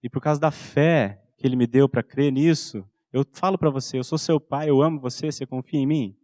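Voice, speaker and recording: A Brazilian pastor in his thirties preaches in an intimate storytelling way, dropping his voice low when he acts out bedtime talk with his son. His voice sits in a middle pitch. The sound is dry and close, with no room echo. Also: fairly even intonation, brisk, warm tone. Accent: Brazilian Portuguese. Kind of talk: sermon.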